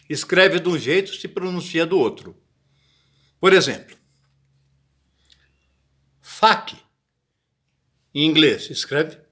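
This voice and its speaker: A man's voice: a little high, a bit bright. A man giving a casual video lesson on botanical Latin, chatty and often searching for words. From Brazil. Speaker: botany teacher.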